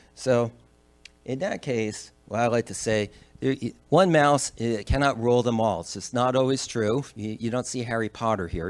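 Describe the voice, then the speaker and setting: Medium-pitched man with a New Jersey accent, moderate pace, very clean recording with a silent background. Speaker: biomedical researcher. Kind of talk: conference presentation. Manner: halting, many fillers.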